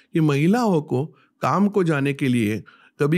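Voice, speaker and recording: Fairly high male voice with lively intonation at a moderate pace, over a quiet background. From India. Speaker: cancer surgeon. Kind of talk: interview. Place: studio. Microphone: studio mic.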